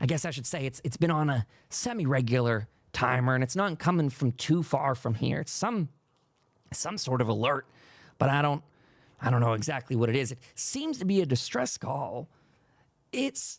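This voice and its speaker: A man puts on a raspy character voice at a medium pitch with ordinary pitch variation. He keeps a moderate pace with long, frequent pauses. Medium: actual play. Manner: rambling, hesitant.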